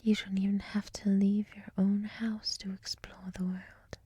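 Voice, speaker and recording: Woman acting as gentle wise monster lady, ASMR roleplay, very breathy whisper, dark mellow tone, soothing, encouraging, close-miked. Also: medium pitch, flat delivery, no echo. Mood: gentle, wistful. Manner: slow, soothing, reflective, encouraging. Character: gentle, wise monster woman with many eyes, hotel resident. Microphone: close mic, dry.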